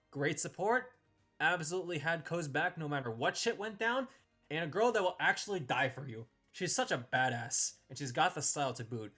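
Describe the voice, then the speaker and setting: A man's voice: fairly high pitch, a bit bright. A man hosting a casual ranked-list review, giving opinionated commentary on characters.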